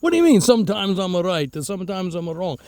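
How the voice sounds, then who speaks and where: Stubborn, flustered old Italian uncle, played by a man in a jokey mock accent, high-pitched, broken English. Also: big pitch swings, fast talker, darkish tone, no echo, studio quality. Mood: flustered insisting. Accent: put-on Italian accent.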